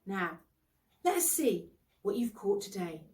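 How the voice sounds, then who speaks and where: A woman voicing a boisterous old bearded castle lord, loud, jovial and exclaiming, in a storybook reading. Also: medium pitch, big pitch swings, measured pace, roomy sound, recorded from a distance, rough recording. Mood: hearty generosity.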